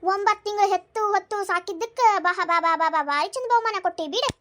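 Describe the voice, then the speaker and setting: A very high, bright and piercing voice for a sarcastic, defiant old mother-in-law from a cartoon comedy, put on by a woman. She rattles along at a furious pace in a North Karnataka Kannada accent, scolding and mocking without letup. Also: quick pace. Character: sharp-tongued sarcastic mother-in-law, older village woman.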